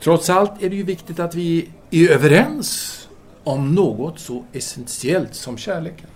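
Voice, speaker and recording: A man's voice: on the high side, darkish tone, close to an everyday voice. An actor playing a self-absorbed French intellectual lover in an audio drama, speaking formally and hesitantly as he earnestly justifies himself. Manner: formal, halting, theatrical hesitations.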